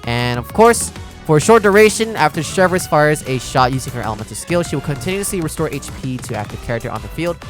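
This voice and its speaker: Excitable man, lively swinging voice. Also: a little high, quick pace, soft background music. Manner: excitable, frequent exclamations and laughs. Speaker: YouTuber reacting to a game trailer. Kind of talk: casual reaction commentary.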